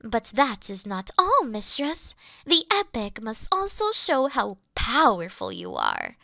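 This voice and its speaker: A woman's voice: on the high side, huge pitch swings, takes it slowly, vocal fry, sharp tone, dry recording, studio quality, heavily acted. A woman voicing a devoted female demon servant who worships her mistress, fawning and flustered in a scripted audio roleplay. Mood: adoring.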